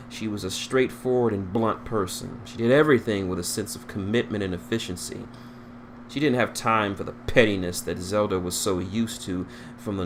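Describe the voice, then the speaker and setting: A man's voice: fairly low pitch, background noise. A man reading a story aloud as narrator, now and then stumbling and rereading a phrase. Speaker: fan fiction reader.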